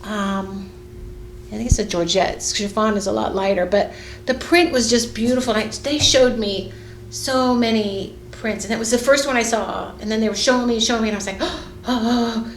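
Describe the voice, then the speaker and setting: A woman's voice: fairly high pitch, a little fast, slight background noise. Chatty middle-aged woman in an echoey sewing room. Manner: chatty, rambling, many fillers and restarts. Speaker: fashion designer and sewing vlogger. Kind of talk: casual chat while sewing. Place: sewing studio indoors. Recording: echoey room with faint ambience.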